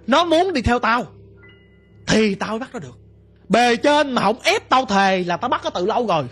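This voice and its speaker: A man's voice: extremely high pitch, a bit bright, breathy edge, full character voice. A man voicing a vengeful female water demon, snarling and accusing.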